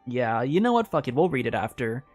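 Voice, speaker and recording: A man's voice: mid-range voice, very animated, fairly quick, a little mellow, soft background music. Rambling young-sounding male streamer. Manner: rambling, lots of filler "like". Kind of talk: live gameplay commentary.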